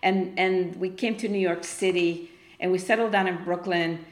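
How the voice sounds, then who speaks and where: A woman's voice: on the low side, steady tone, normal speed. Outspoken Argentine-born woman, echoey room. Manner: outspoken, blunt and emphatic. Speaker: guest poet. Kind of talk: casual interview chat.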